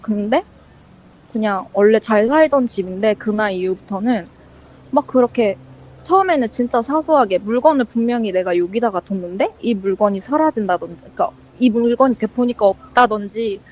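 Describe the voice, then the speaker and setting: A woman tells a ghost story in loose, rambling chat, packing it with fillers and acting out the lines she quotes. Her voice sits at a middle pitch, and the recording is dull and lo-fi. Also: lively intonation, a little fast, darkish tone. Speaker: guest storyteller. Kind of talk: casual spoken ghost story. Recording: dull lo-fi sound.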